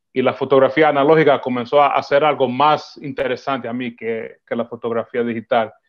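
Against a quiet background, a man talks at a moderate pace and medium pitch with monotone, flat intonation. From New York, Dominican-American family. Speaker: film photographer; podcast guest. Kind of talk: casual interview. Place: home room. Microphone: video call.

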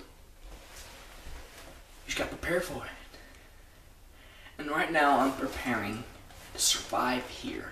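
Light background noise sits beneath audible room echo in this clip. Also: man. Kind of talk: dramatic monologue. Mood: earnest, determined, somewhat sad. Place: home room. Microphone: phone near.

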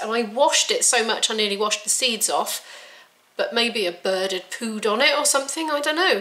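Very fast delivery with ordinary pitch variation. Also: woman. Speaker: family vlogger. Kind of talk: casual vlog chat. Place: kitchen. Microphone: phone near.

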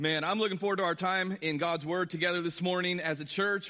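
Against a quiet background, a man projects a raised voice with a bright, sharp tone and fairly even intonation. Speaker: pastor. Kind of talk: sermon. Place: church.

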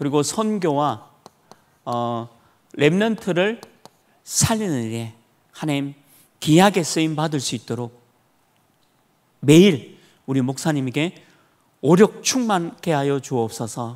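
A man at a very slow pace, long and frequent pauses, over a quiet background. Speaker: pastor leading a session. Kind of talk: sermon. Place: church. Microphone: handheld.

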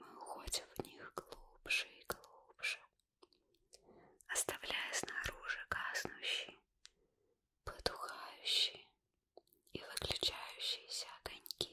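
A soft-spoken, whispering woman with a soothing tone, long, frequent pauses and big swings in loudness. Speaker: ASMR host. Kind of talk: soft bedtime story narration. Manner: soft ASMR whisper, slow and soothing. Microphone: studio mic.

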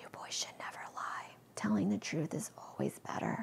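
A woman whispers at a moderate pace. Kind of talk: casual scripted comedy monologue. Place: kitchen. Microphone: webcam.

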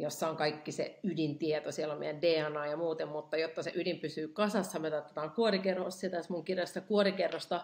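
A woman's fairly low voice, flat and monotone, at a fairly quick pace over a quiet background. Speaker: interview guest. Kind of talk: interview answer. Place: home room.

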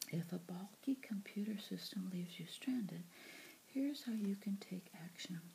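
A soft-spoken voice talks at a fairly slow pace. Light background noise is present. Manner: soft-spoken ASMR reading of headlines.

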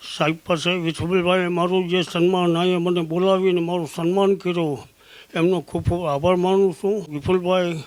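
A man talks with a high pitch and monotone, flat intonation. His loudness stays very even. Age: 80s+. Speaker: folk drummer. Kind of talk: thank-you speech.

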